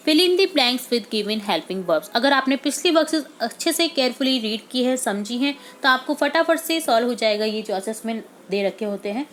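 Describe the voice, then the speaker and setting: A woman teaching English worksheets in Hindi with an Indian English accent, reading example sentences slowly and deliberately. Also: high-pitched, a little hiss or hum. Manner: explains in Hindi, mixing English words. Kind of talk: worksheet solution walkthrough.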